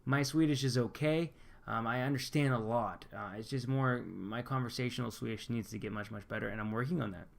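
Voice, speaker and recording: This young American from Pennsylvania has a brisk, creaky voice pitched in the middle range. In a relaxed vlog, he reads comments from viewers out loud and responds with loose, cheerful restarts.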